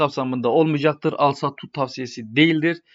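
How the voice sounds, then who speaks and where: Delivered at a medium speed, an unremarkable speaking voice keeps its intonation fairly even. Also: man. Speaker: stock market commentator. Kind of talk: market analysis video.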